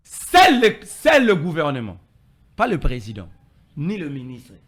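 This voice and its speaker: A man's voice: a little high, wildly swooping pitch, measured pace. A man with a Congolese French accent, arguing politics emphatically in a street debate. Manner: emphatic, code-switching, argumentative. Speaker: political commentator.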